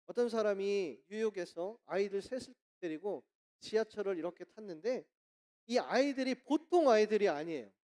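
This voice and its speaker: A woman pastor preaching a sermon in church, lively and asking the congregation questions. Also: medium pitch, normal speed. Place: church sanctuary.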